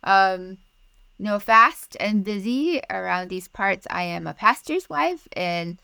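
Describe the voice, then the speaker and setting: A woman's voice: mid-range voice, expressive, slow pace, gravelly, bright, forceful tone, smooth, no room sound. A woman in her forties, originally from Malaysia with Mandarin as her first language, speaking earnestly as a podcast guest. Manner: earnest and reflective, with light laughs. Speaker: podcast guest, Bible study writer. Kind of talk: casual interview conversation.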